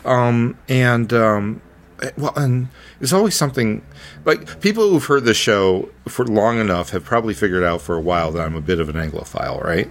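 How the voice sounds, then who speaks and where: A man's voice: fairly low pitch, animated, moderate pace. A male podcast host talks casually. He is hesitant, stammering over small words and repeating them while he hunts for what to say.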